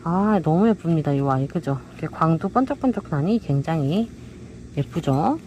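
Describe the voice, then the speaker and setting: A woman's voice: sits low, lively intonation, moderate pace, dark tone, dull audio, a little hiss or hum. A woman selling flower pots, walking viewers through each set with cheerful, coaxing praise. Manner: cheerful, coaxing, keeps asking "pretty, right?". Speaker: pot shop seller. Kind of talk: product showcase talk. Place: indoor pot shop.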